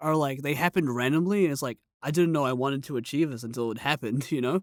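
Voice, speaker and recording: In a New Zealand accent, the speaker talks at a fairly quick pace with lively intonation on a very clean recording with a silent background. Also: man. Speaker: voice actor and casting director. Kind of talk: casual chat.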